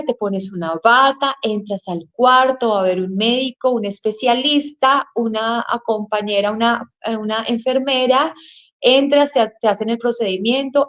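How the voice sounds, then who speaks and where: A woman with a Colombian accent giving an earnest personal testimony, speaking haltingly with frequent restarts. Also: a little high.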